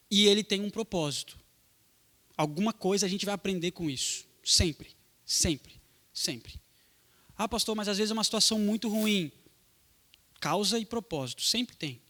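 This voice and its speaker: A man's voice: high-pitched, bright, forceful tone. A young adult man, a pastor preaching a sermon in a casual, slangy way aimed at young people.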